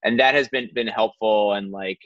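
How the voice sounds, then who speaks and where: A man's voice: fairly low pitch, steady tone, moderate pace, no echo. A man in his thirties, a guest on a casual video-call panel, speaking hesitantly and self-effacingly. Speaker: theater director and guest. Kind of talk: casual roundtable talk. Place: living room, video call. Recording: dull, dry video-call audio.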